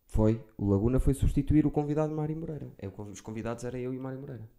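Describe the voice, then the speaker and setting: A man's voice: mid-range voice, rapid-fire, gravelly, dark tone. A man with a European Portuguese accent chatting casually as a stand-up comedian, slangy and conversational. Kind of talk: casual banter between comedians.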